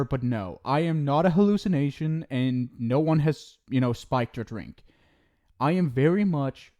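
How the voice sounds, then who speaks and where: A man's voice: medium pitch, a little mellow, natural voice. A man voicing an exasperated male ghost soulmate from the afterlife who swears while scolding and stumbles over restarts when he explains himself, in an ASMR roleplay.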